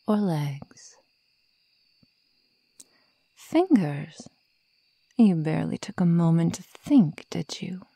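A woman playing a sadistic female werewolf toying with human prey in a breathy, menacing, mockingly sweet ASMR roleplay whisper. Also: deep voice, mellow, dry recording, exaggerated voice. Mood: cruel, taunting.

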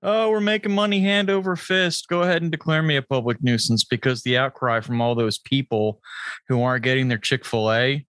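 A man's voice: medium pitch, fairly quick, a bit bright, no echo. American man, wry casual podcast banter. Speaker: podcast co-host.

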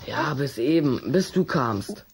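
A performer playing a shy, sulky young boy in a children's audio drama, hesitant and husky. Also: medium pitch, expressive, slow, a little hiss or hum. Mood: sulky, defensive. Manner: hesitant, reluctant.

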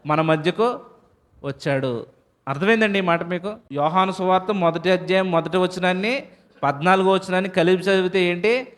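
Brief: male preacher, high voice, call-and-answer sermon style, slow scripture readings. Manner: asks the congregation questions and answers them himself; reads scripture slowly and deliberately.

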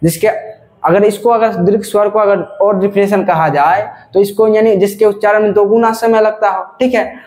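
Teaching grammar to a class, this man pronounces example sounds at a slow, drawn-out pace and repeatedly says "ठीक है." His high voice holds a steady, somewhat dark tone, with noticeable reverb.

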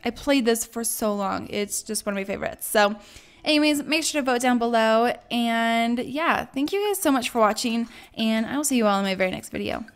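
A woman's voice: fairly high pitch, lively intonation, fairly quick, faint music behind. A young woman casually commenting over a life-sim game, chatty and upbeat with lots of fillers, her voice a bit strained as it goes out. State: losing her voice. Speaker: let's play host.

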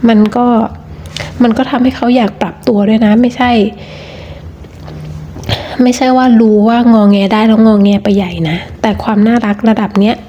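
A woman giving a casual tarot reading, talking in a gentle, chatty way with frequent restarts. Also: fairly high pitch, slight background noise. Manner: chatty, repeats words and restarts often. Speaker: tarot reader.

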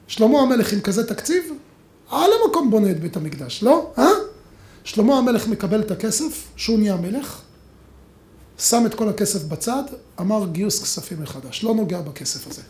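A man giving a rabbi's lecture to an audience, telling stories dramatically and acting out the dialogue with big swings between loud and quiet. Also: big pitch swings, reverberant. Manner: dramatic storytelling, acts out dialogue with big swings in pitch and volume. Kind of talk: lively Torah lecture.

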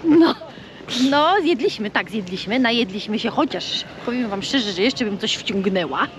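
A woman's voice: medium pitch, animated, normal speed, background noise. A woman food vlogger chatting casually and animatedly, laughing often, while reviewing a meal. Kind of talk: casual chat.

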